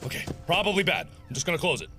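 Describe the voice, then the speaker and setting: High-pitched, wildly animated man gaming. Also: rapid-fire, faint music behind. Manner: jumpy, dramatic, swearing, swinging from hushed muttering to screaming. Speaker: gamer playing a horror game. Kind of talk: excitable let's-play commentary.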